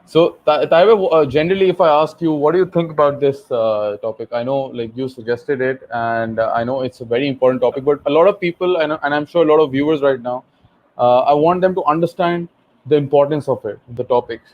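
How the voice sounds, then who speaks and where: A man's voice: on the high side, brisk, muffled recording. A man with a Pakistani accent hosting an informal online session, explaining things with some repetition and rephrasing over an internet call. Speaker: host, HR professional.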